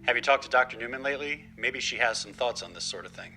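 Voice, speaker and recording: An actor playing a worried, protective older father in an audio drama, gently cautioning and a little hesitant. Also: medium pitch, quick pace. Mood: easygoing. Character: worried, protective older dad, homebody tinkerer. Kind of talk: naturalistic audio drama acting.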